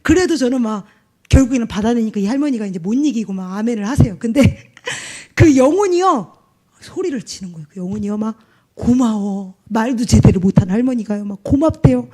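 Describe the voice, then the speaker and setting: A woman's voice: fairly high pitch, animated, brisk, mellow. A young woman preacher giving an earnest, emphatic sermon testimony in casual storytelling.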